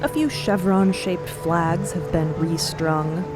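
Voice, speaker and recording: Low-pitched woman narrating over loud music. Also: slow pace. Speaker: podcast narrator and storyteller. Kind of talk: dramatic scripted narration. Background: loud music bed.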